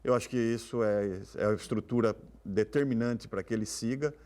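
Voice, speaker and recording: Brazilian man in his fifties, medium pitch. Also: fairly quick, a little mellow. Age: 50s. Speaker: former football coach, panelist. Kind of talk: informal sports debate.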